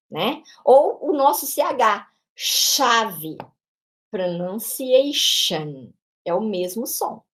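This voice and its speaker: A woman English teacher from Brazil with a São Paulo interior accent, explaining pronunciation and often checking in with quick tag questions. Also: medium pitch, a little mellow. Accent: São Paulo interior Brazilian Portuguese. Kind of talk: pronunciation lesson narration.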